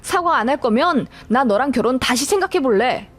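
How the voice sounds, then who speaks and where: A woman's voice: high-pitched, expressive, fairly quick. A woman voicing a defensive young male fiancé who blusters and pushes in a storytelling radio reading.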